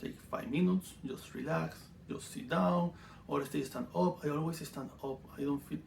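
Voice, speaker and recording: A man from Venezuela with a Venezuelan Spanish accent, teaching a simple spiritual ritual in halting, broken English with dry humor. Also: a little high, creaky, a little mellow, a little hiss or hum. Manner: halting, many fillers and restarts, dry humor. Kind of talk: casual teaching monologue.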